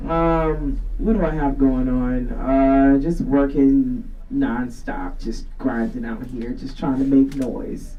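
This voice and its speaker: A woman comedian with a deep voice for a woman, chatting casually as a guest in a garage studio, laid-back and joking. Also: steady tone, slow pace, hardly any pauses, recorded from a distance, dull audio, soft background music. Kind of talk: casual chat. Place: garage studio with a live audience.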